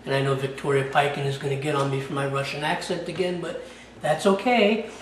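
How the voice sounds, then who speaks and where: A man's voice: a little high, steady tone, fairly quick, slight background noise. A man hosting his own cooking channel and walking through a recipe in a casual, chatty way, often checking in with "okay?". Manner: chatty, keeps tagging lines with "okay?". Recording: echoey room, mic a bit far off.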